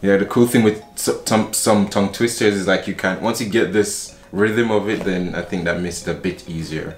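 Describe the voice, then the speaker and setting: A man with a Jamaican accent, fairly low pitch and fairly even intonation, a moderate pace with hardly any pauses, and noticeable background noise. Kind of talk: attempting German tongue twisters. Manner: easy-going, laughing.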